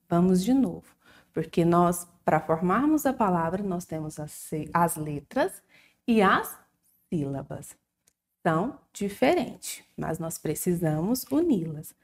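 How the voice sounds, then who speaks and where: A woman teacher with a Brazilian accent giving a recorded lesson to young children, slow and sing-song, drawing out syllables. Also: fairly low pitch. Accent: Brazilian Portuguese.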